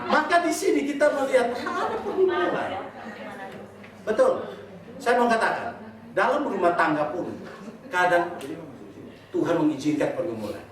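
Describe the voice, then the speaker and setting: A man's voice: high voice, very animated, moderate pace, long pauses, crowd noise. A man preaching a sermon as pastor, joking and putting questions to the congregation. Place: church hall. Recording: echoey hall, mic at a distance.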